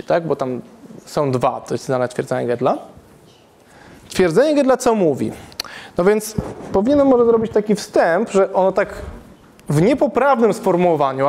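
High-voiced man lecturing on math. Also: a little mellow. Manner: thinking aloud, frequent self-corrections and "tak?" checks. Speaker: university lecturer. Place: classroom with chalkboard, indoors.

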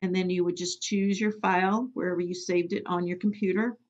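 A Missouri woman who trains people for an immunization program walks through software in a screen-recorded tutorial. Her voice is lowish and flat, moving fairly quickly through plain step-by-step instructions with frequent ums. The audio is dull and lo-fi.

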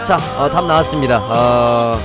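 With a mid-range voice and a measured pace, a man streams live game commentary and tutorial over background music. He addresses his viewers and thanks donors as they come in.

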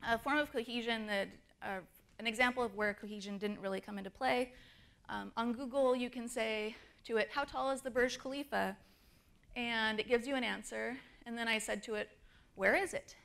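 A woman's voice: a little high, vocal fry, a bit bright. A woman speaker at a design conference, explaining her points with fillers and demonstrating intonation. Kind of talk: conference talk. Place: conference stage.

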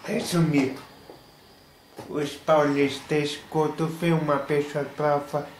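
Speaking slowly and with hesitation, a young man explains slang one word at a time in a Carioca Portuguese accent, his fairly high-pitched voice staying mostly level. He's a YouTuber chatting casually to the camera in a small room, and the audio carries a roomy echo with a faint hiss.

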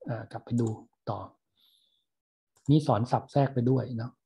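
A man's voice: mid-range voice, fairly even intonation, normal speed, vocal fry, mellow, husky. A male university lecturer in a recorded online lecture, patiently explaining English words in Thai between clips.

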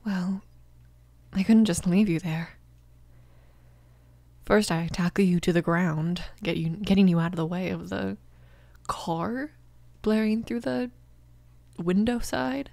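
A young woman of twenty playing a protective, tender yet commanding mafia boss in an ASMR romance roleplay, breathy and often half-whispering. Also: lowish voice, steady tone, takes it slowly, pauses often, dark tone, dry recording. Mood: tender, reassuring.

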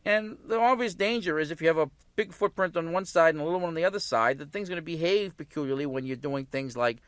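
A man's voice: fairly high pitch, fast talker, fairly bright tone, clean tone, dry recording. A middle-aged man co-hosting a call-in radio show, joking and explaining car repair step by step.

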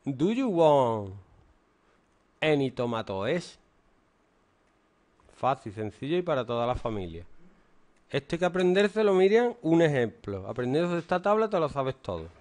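A middle-aged man with a Spanish accent, teaching an English grammar lesson to a class in a joking, deliberate way. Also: fairly high pitch. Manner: joking, animated, slow and deliberate.

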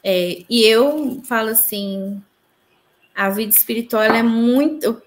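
A woman with a fairly high voice gives a personal spiritual testimony in an interview. She talks earnestly and retells past events through quoted dialogue. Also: a little slow. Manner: earnest, tells her story with reported dialogue.

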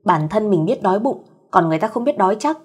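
A woman plays a pert young office worker in an audio story, told as by a fireside storyteller. She is feisty yet polite, in a middle-pitched, husky voice. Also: lively intonation, fast talker. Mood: grumbling. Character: feisty young female employee, grumbling yet polite to boss. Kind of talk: acted dialogue in an audio story.

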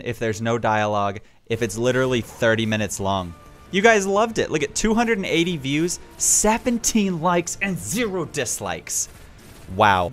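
A young man in his twenties talks over his old gaming clips into a headset mic. His voice swings lively up and down as he teases himself with quick asides. Faint music plays in the background. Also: medium pitch. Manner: animated, self-mocking, quick asides. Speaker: gaming YouTuber. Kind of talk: reaction commentary. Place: home gaming room. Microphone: headset with boom mic.

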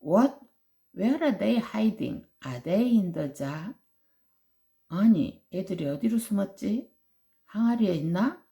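A woman's voice: mid-range voice, animated, extremely slow, creaky, pauses often, mellow, exaggerated voice. A woman voicing a sly male tiger who fakes a mother's voice to coax children. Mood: searching. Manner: coaxing, sweet-talking.

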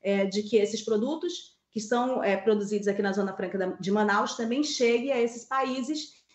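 A woman's voice: mid-range voice, normal speed. A woman in her thirties with a Brazilian accent, giving live political commentary over a video call, thinking aloud with many fillers and restarts. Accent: Brazilian Portuguese. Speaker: political columnist. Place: home office with map on wall. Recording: echoey room.

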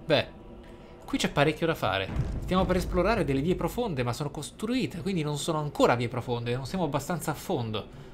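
This host of a role-play gaming video has a slightly high, expressive voice and speaks fairly quickly. He comments on the game and reads bits of in-game text in a thoughtful, explanatory manner, against faint noise and game ambience.

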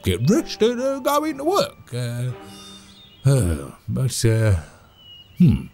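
Rambling, animated British manor servant. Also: male voice, medium pitch, slow pace, soft background music, heavily acted. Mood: rueful, amused. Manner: rambling, stammering, chuckling. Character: chatty, cheerful, oft-killed manor servant named Todd. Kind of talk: audio drama monologue.

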